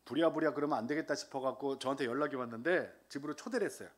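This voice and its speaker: During a church service, a lay deacon from Seoul in his sixties gives a humorous testimony at a racing pace in a medium-pitched voice. He tells the story with life, acting out the voices of the people he quotes.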